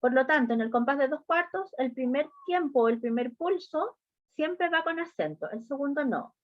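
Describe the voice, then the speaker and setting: High-voiced woman teaching music. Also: expressive, normal speed, no room sound, highs cut off. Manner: patient step-by-step explaining, often checking understanding with short questions. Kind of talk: online class lesson.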